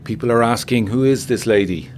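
A man's voice: medium pitch, fairly quick, slight background noise, voice pushed up, lightly acted. A man voicing a worldly, theatrical woman intriguer in an adventure story, giving grave, insistent warnings in formal phrasing.

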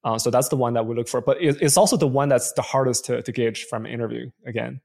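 Male investor guest from Canada, Chinese first language, gravelly voice, thinks out loud. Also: mid-range voice, quick pace. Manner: thoughtful, frequent fillers and restarts. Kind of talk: conversational interview answers.

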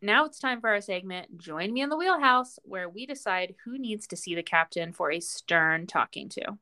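A woman's voice: mid-range voice, expressive, normal speed, sharp tone. A middle-aged woman co-hosting a recap podcast in a casual, giggly, informal way. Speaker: podcast co-host. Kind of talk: casual reality TV recap chat.

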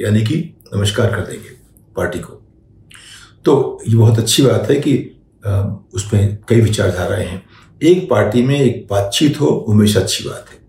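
Low, mellow male commentator in echoey room. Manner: deliberate, measured, asks rhetorical questions. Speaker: journalist and show host giving opinion. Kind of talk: spoken opinion commentary on current affairs. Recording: echoey room, faint background noise.

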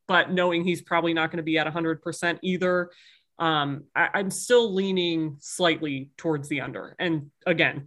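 Woman panelist with a bright, sharp voice; measured, explains her reasoning. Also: low-pitched. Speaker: podcast panelist. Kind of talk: casual sports podcast chat.

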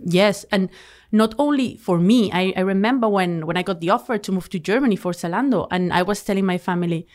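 A woman from Spain with a Spanish accent talks as a guest in a studio interview, eager and quick to restart her sentences. She sounds like she is in her thirties, and her pitch is middling. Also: a little mellow. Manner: eager storytelling, with restarts and acted quotes. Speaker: guest, company founder. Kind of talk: podcast interview.

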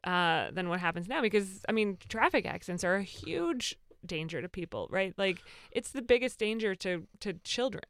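A woman co-hosting a panel discussion, chatty and lively, quick to joke. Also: mid-range voice.

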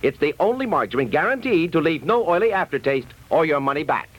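A man's voice: fairly high pitch, very animated, fast, poor audio. An American man reading scripted 1950s radio commercials as a polished, emphatic announcer. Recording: 1950s radio broadcast recording.

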